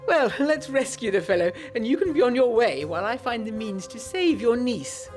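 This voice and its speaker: A woman voicing a suave gentleman scholar who needles in a genteel, insinuating way, in a period audio drama. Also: very high voice, very animated, moderate pace, faint music behind, voice pushed up. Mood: placating. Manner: genteel, teasing, smoothly insinuating.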